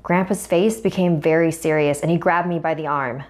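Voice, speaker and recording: A young woman telling a scary first-person story in a measured, suspenseful way, narrating over a music bed. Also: deep voice, fairly even intonation, darkish tone.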